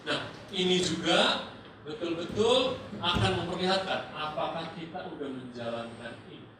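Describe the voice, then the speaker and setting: A man leading a church parenting seminar, lively, acting out parent and teen exchanges and dropping in English phrases. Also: a little high, normal speed. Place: large church hall. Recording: echoey hall, voice far from mic, noisy.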